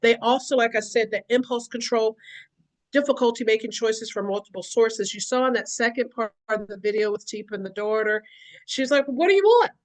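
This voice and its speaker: A woman's voice: fairly high pitch, brisk. A woman teaching a lecture to dementia caregivers. She speaks expressively and repeats key phrases for emphasis. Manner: expressive, acts out what people with dementia might say. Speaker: dementia care educator.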